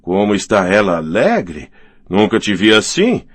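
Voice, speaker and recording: A sly, mocking young man speaks with open sarcasm, as a male audiobook reader voices him. The voice is low with a lively pitch. The recording is close and dry. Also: measured pace, dry recording. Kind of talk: audiobook reading.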